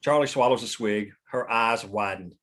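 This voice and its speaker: A man's voice: on the low side, normal speed, fairly bright tone. A man narrating stage directions at a scripted table read.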